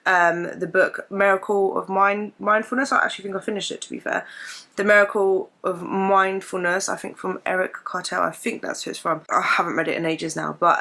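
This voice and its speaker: A young woman with a hoarse, croaky voice, chatting casually and rambling with lots of fillers while doing her makeup for her vlog. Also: mid-range voice, pushed and bright. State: hoarse and croaky from a chesty cough. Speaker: beauty and fitness vlogger. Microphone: camera mic, sitting in front of camera.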